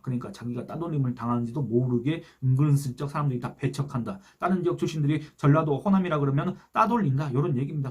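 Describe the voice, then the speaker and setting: A man's voice: medium pitch, darkish tone, slightly rough. A man giving a solo political commentary, earnestly asking rhetorical questions and reading out online comments.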